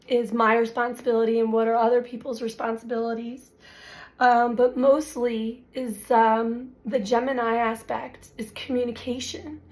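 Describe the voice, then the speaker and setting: A woman hosting a spiritual astrology channel, talking reflectively with many pauses and fillers while her voice recovers from illness. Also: a little high, darkish tone. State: recovering from voice loss. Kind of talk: unscripted spiritual talk to camera.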